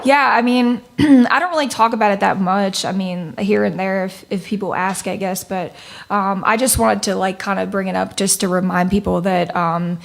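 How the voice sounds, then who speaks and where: A young adult woman singer, a guest chatting casually in a music studio, soft-spoken and hesitant with lots of fillers. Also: medium pitch, steady tone, normal speed, vocal fry. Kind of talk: casual interview chat.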